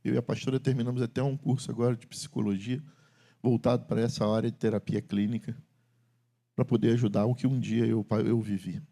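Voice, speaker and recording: A middle-aged man preaching a sermon as pastor in a church, swinging between loud emphatic calls and low confiding talk to the congregation. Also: flat delivery, fast, vocal fry. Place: church sanctuary.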